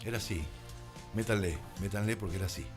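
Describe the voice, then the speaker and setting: With faint music in the background, a fast-talking Argentine radio drama creator with a fairly low voice shares stories as a radio interview guest. He chats anecdotally and keeps slipping into performing other people's dialogue.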